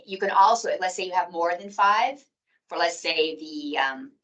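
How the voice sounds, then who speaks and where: Woman, city staffer, loud and forceful, recorded from across the room. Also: on the low side, lively intonation, normal speed, roomy sound. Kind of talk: public meeting explanation. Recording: distant mic in a room.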